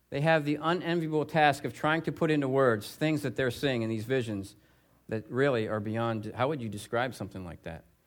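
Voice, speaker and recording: Over a silent background on a very clean recording, a man talks at a moderate pace in a normal speaking voice. His medium pitch shows ordinary pitch variation. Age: 40s. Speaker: guest preacher. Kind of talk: sermon. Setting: church.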